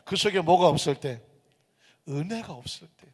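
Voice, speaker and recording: A man's voice: fairly high pitch, expressive, normal speed, breathy edge. A male pastor delivering a Sunday sermon, telling a story with emphasis and asking the congregation rhetorical questions. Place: church sanctuary. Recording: reverberant church sanctuary.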